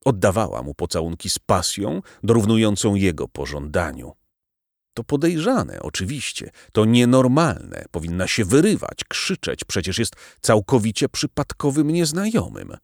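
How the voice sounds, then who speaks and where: A man reading a novel aloud as audiobook narrator, dramatic and expressive. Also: on the low side, normal speed, vocal fry, dry recording, studio quality. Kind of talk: scripted narration.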